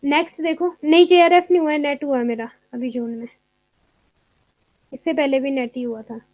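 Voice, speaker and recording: A young woman with a high, bright voice runs a live online class, chatty and quick to answer students' comments. She mixes English terms into her explanations. The sound is dry and close, with no room around her. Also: fairly even intonation, dry recording. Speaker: exam coaching teacher.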